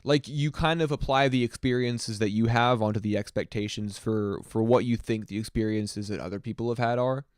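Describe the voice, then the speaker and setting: A man's voice: medium pitch, steady tone, a little fast, few pauses, no room sound, studio quality. A man in his twenties chatting casually on a music livestream, rambling and reflective with many fillers. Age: 20s. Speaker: music streamer.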